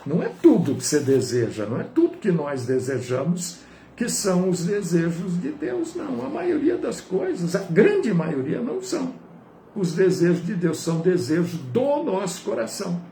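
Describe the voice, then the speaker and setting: A man, a pastor, preaching a sermon in an animated way, swinging from high to low. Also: moderate pace, creaky, reverberant, a little hiss or hum.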